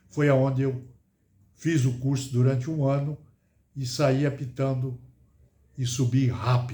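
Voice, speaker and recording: The man's voice is dark and mellow, somewhat breathy, and monotone with flat intonation, with audible room echo around it. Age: 80s+. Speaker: retired football referee. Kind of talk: interview.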